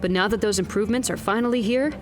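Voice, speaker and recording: A woman playing a wry, exasperated field news reporter in an audio drama, speaking in a crisp, pointed broadcast style. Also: medium pitch, quick pace, music in the background, lightly acted.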